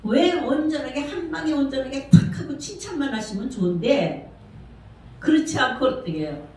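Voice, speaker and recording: Woman pastor preaching, kinda high voice, asks the room questions, big echo from far off. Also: expressive, normal speed, a little mellow. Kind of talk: sermon. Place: church sanctuary. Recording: very echoey church from far off.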